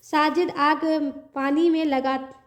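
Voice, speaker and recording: A woman's voice: high-pitched, fairly even intonation, slow pace. A woman teaching an online grammar lesson, reading word lists aloud and explaining them in a chatty way with English words mixed in.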